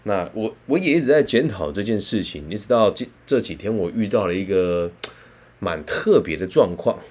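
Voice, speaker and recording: A man, a career counselor telling a story in an animated, conversational way. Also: on the low side, moderate pace, breathy edge. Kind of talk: storytelling talk.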